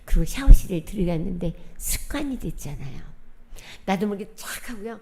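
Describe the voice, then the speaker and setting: A woman's voice: medium pitch, sing-song, brisk, warm tone. A middle-aged woman giving a personal testimony at a church worship service, telling her story vividly and acting out the dialogue. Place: church sanctuary.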